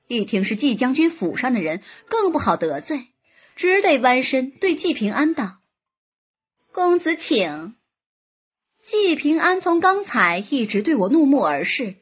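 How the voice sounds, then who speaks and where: A young woman reading a romance novel in first person with lively, expressive storytelling. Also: high-pitched. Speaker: audiobook narrator. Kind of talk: scripted first-person narration. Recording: slightly muffled with soft music.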